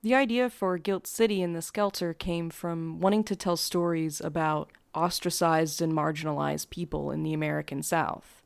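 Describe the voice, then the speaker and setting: Crisp, creaky low-voiced woman, dry sound. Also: fairly even intonation, moderate pace, dry recording. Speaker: podcast creator. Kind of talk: measured, articulate explanation.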